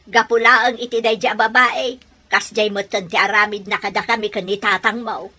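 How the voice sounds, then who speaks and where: An actress playing a stern, resentful mother in a radio drama, nagging and exasperated, with a husky voice and Filipino Ilocano accent. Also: mid-range voice, fairly even intonation, moderate pace, pushed and bright. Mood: bitter.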